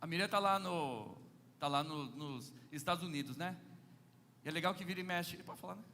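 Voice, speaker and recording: A man's voice: a little high, moderate pace, sharp tone, big-room sound, slight background noise. A middle-aged man with a Brazilian Portuguese accent preaching a sermon, telling playful anecdotes and turning often to the congregation. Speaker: pastor.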